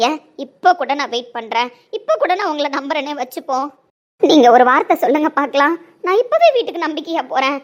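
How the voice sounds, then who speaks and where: A woman's voice: high voice, close to an everyday voice. A woman voicing a young woman desperately in love, pleading and repeating herself in an emotional audio drama. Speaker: lead character in an audio drama.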